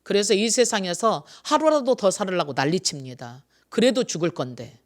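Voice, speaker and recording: A sixty-something pastor's Sunday sermon moves at a moderate pace, medium-pitched with lively intonation. Question follows question for the congregation, while key phrases keep coming back, first pushed out loud and then softened into asides.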